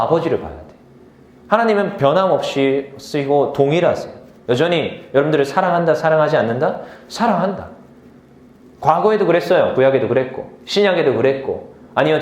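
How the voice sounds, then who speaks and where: A man in his thirties preaches in a relaxed, conversational way and slips into the voices of the people in his stories. His pitch moves a lot, rising and falling as he talks. The room around him is roomy and echoing. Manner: animated storytelling, acts out quoted voices. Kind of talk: casual conversational sermon. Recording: echoey room.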